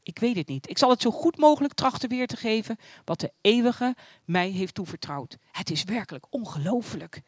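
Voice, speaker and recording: A reader voicing a hushed, reverent angel. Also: medium pitch, animated, normal speed, husky, dry recording, clean studio sound. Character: male angel messenger, reverent and awed.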